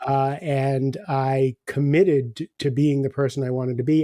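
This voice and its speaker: A man at a moderate pace, fairly high in pitch, in a dry, close sound with no echo and a very clean recording with a silent background. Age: 60s. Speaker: executive coach and author. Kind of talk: interview. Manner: animated.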